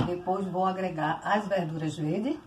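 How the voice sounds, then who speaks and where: An older woman with a Brazilian accent talks casually to viewers as she cooks. Her voice sits a little low for a woman. It is recorded on a phone in a home kitchen, with clear noise of pots and dishes around her. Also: unhurried. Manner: chatty, addresses viewers often, uses diminutives. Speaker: home cooking vlogger. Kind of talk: casual cooking demonstration. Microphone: phone on tripod, short distance. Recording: noisy kitchen with clattering dishes.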